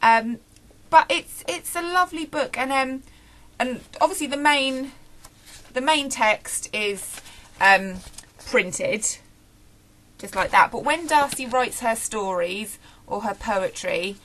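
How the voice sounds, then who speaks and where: A young British woman giving a casual, unscripted book review, chatting and thinking aloud with pauses and self-corrections. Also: a little high, fairly bright tone.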